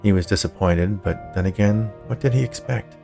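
A man's voice: lowish voice, moderate pace, creaky, warm tone, soft background music. A man narrating a scripted fiction story as a podcast storyteller. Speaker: writer, narrator and podcast host.

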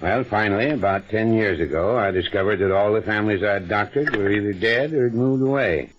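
A man's voice: lowish voice, fairly quick, close to an everyday voice. A male actor in an old-time radio drama playing a genial but evasive retired country doctor, folksy, soothing and insistent. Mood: genial, reminiscing. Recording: muffled vintage radio recording with music behind.

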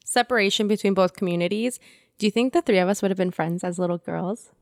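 A woman's voice: medium pitch, fast talker, no room sound, studio quality. A young woman from Indiana whose first language was Spanish, co-hosting a podcast in a candid, laughing casual chat. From Indiana, United States. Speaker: podcast co-host.

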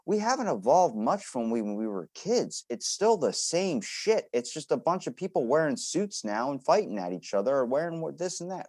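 A man's voice: medium pitch, darkish tone. Casual, joking man hosting a podcast. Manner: sweary, joking, teasing. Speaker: podcast host. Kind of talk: casual interview chat.

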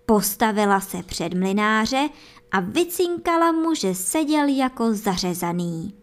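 A woman narrates a folk fairy tale for listeners young and old. Her voice sits somewhat high, and she reads with lively expression, leaning into the turns of the story. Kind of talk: fairy tale read aloud.

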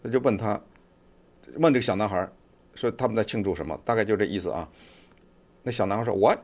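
Male commentator, conversational and digressive, lively swooping intonation, filler-heavy delivery. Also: on the low side, fast talker. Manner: chatty, digressive, lots of fillers. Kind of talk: casual online commentary.

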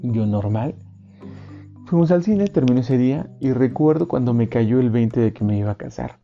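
A man's voice: mid-range voice, lively intonation, normal speed, creaky. A man, telling a personal testimony in an earnest, rambling, reflective way. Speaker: storyteller. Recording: dull recording with faint guitar music.

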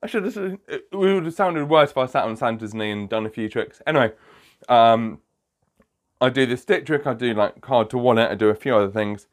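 A man's voice: medium pitch, fairly quick. A man hosting his own podcast as a magician, casually telling a funny story, laughing often and wandering off topic. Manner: chatty, laughs often, digresses.

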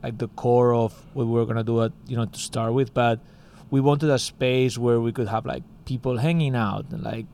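A man's voice: mid-range voice, fairly even intonation, moderate pace, creaky, hardly any pauses, a little mellow, a little hiss or hum. A man from Spain with a Spanish accent, chatting casually as a music school co-founder and filling his talk with "like" and "you know". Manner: rambling, heavy use of "like" and "you know". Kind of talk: casual interview chat.

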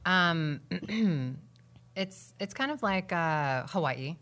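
Bright-voiced woman guest, low pitch. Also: expressive, extremely slow. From Guam. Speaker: guest actress. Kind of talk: casual interview chat.

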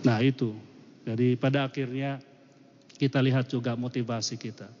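A man's voice: medium pitch, little pitch movement, a little fast, darkish tone. A man preaching informally in a conversational sermon style, explaining with everyday examples. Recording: echoey hall, dull muffled sound.

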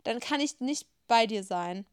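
Woman voicing a lovestruck young man, pleading, insistent, high voice, dry clear sound. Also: lively intonation, unhurried. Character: lovestruck young man, defiant to his father.

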